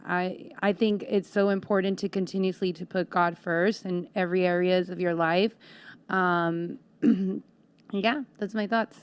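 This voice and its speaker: A woman's voice: lowish voice, steady tone, smooth. Woman, podcast guest, casual chat, thoughtful, resonant voice. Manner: soft-spoken, thoughtful, with pauses.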